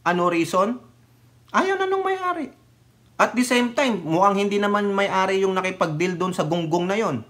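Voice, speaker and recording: A man's voice: high voice, animated, normal speed, a bit bright. A man from the Philippines ranting in casual political commentary, sarcastic and mocking, often laughing and mixing in English phrases. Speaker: political vlogger.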